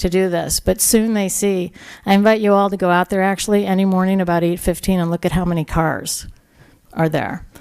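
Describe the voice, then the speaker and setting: Talking at a moderate pace, the woman has an ordinary speaking voice. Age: 60s. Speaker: public commenter. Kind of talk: public comment at council meeting.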